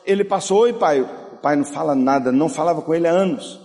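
A male pastor preaching a sermon, swinging from loud, slow declarations down to soft, hushed passages. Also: on the high side. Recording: long hall reverb.

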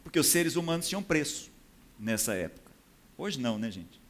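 Man, preacher, conversational sermon, checks in with listeners, mid-pitched voice. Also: big pitch swings, fairly quick, a bit bright. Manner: conversational, often checks in with the audience. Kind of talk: sermon teaching from scripture.

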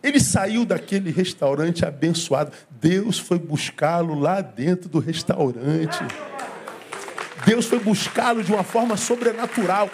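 A man's voice: high voice, unhurried, darkish tone, slight background noise. A man with a Brazilian Portuguese accent, a pastor preaching a sermon and telling a story with acted-out dialogue and lots of repetition. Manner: storytelling, acts out dialogue, repeats phrases.

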